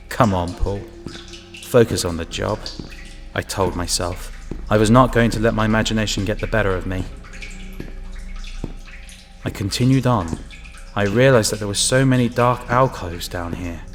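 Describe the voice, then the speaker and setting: A man's voice: fairly low pitch, normal speed, long pauses, soft background music, lightly acted. A man playing a wary, grumbling inspector who talks to himself and narrates in the first person in an audio drama. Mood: wary, self-coaxing. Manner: muttering to himself, exasperated. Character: grumbling, wary male inspector alone in sewers.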